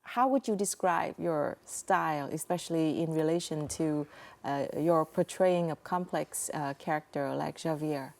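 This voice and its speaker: A woman's voice: deep voice, unhurried, creaky, darkish tone. A woman interviewing a guest, asking questions hesitantly with filler sounds. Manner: hesitant, fills with "uh" and many "mm-hmm"s. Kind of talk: interview questions with short backchannels.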